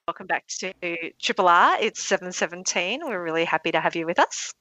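A woman's voice: lowish voice, expressive, a little fast, over music, low-quality recording. A woman presenting a live radio interview, upbeat and encouraging.

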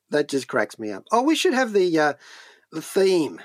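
A man's voice: on the high side, dry recording. A man chatting as a radio co-host and reviewer, hesitantly repeating words as he goes. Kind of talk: conversational review chat. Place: radio studio.

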